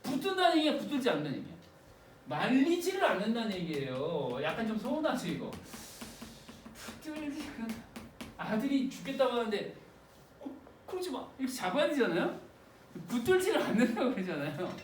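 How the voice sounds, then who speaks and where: A man teaching an exam-prep literature lecture in a lively, joking way, acting out lines as he explains. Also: very high voice, quick pace, roomy sound, far from the mic, a little hiss or hum. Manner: lively and playful, jokes and acts out quotes.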